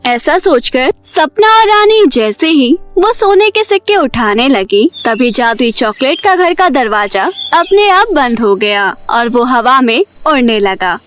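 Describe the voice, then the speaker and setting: A woman narrating a scripted fairy tale in an expressive storybook manner. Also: high voice, unhurried, few pauses, faint music behind.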